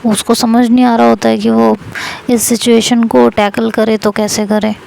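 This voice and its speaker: A woman's voice: fairly high pitch, little pitch movement, moderate pace, vocal fry, darkish tone, poor audio. A woman casually narrating a romance story in an easygoing, repetitive way. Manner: casual, repeated phrases.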